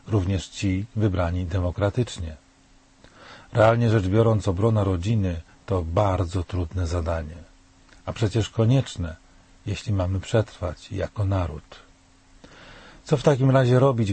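Older male commentator, dark and husky, measured and solemn delivery. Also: deep voice. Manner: measured, grave, rhetorical questions. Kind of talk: scripted spoken commentary.

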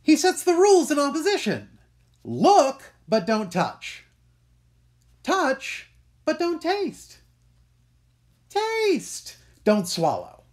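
A man's voice: extremely high pitch, wildly swooping pitch, takes it slowly, long pauses, voice pushed up, exaggerated voice. A man playing a bitter, mocking Devil in a theatrical, scornful dramatic monologue. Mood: mocking, incensed. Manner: theatrical, scornful, building to outbursts. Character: bitter, mocking male Devil railing against God. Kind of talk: dramatic monologue for voice-over demo.

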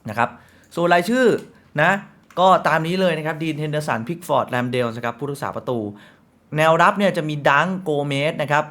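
Fast-talking man hosting football news. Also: fairly high pitch, expressive, a bit bright. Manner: chatty, reads sponsor ads quickly, frequent polite fillers. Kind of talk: casual football news commentary.

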